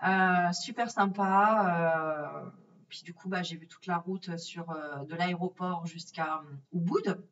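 A woman's voice: lowish voice, slow. Chatty French woman telling a travel story. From France. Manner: chatty, lively, many fillers and acted-out asides. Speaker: vlogger. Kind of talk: casual storytelling. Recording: distant, dull lo-fi sound.

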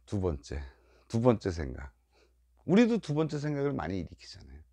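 A man's voice: medium pitch, huge pitch swings, fairly quick, slightly rough, no room sound. An older man giving a Buddhist dharma lecture, repeating key phrases and acting out worried inner voices. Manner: emphatic, rising and falling loudness.

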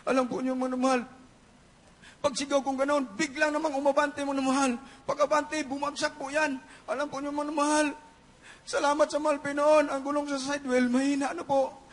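Man, middle-aged, very high voice, flat delivery; fervent church testimony in a large hall. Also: fairly quick. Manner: fervent, repeated hallelujahs and frequent shouting. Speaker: church member giving testimony.

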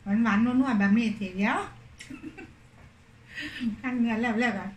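A woman with an Isan accent, casually telling a story from her day to her viewers in a chatty, animated way. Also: on the high side, measured pace, echoey room, a little hiss or hum. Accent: Isan (Northeastern Thai). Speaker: vlogger.

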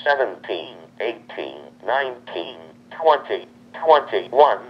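A man's voice: mid-range voice, lively intonation, takes it slowly, lo-fi sound. A man's recorded voice announcing days and times word by word in a stilted way through an answering machine's small speaker. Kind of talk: clipped time and day announcements.

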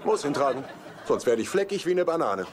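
An actor playing a guileless, chatty, oblivious suburban husband in a dubbed sitcom. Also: male voice, on the high side, very animated, fairly quick. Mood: earnest, oblivious. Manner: earnest, oblivious. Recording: very noisy TV soundtrack with ambience.

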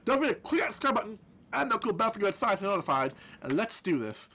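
Excitable man with a lisp. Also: high-pitched, fast, a little hiss or hum. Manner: swearing, excitable, rambling with many restarts. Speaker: gameplay commentator. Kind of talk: let's play commentary.

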